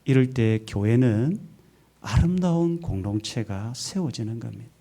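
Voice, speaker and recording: Mellow-voiced pastor preaching with rhetorical questions. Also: male voice, medium pitch, lively intonation, measured pace. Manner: emphatic preaching with rhetorical questions and call-and-response. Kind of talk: sermon. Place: church sanctuary.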